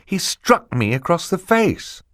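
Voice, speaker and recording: A man voicing a bookish, anxious young boy in an audiobook, speaking quickly and earnestly. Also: high voice, big pitch swings, a bit bright, no room sound, studio quality, pitched above the performer's own voice, full character voice. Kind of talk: audiobook character voice.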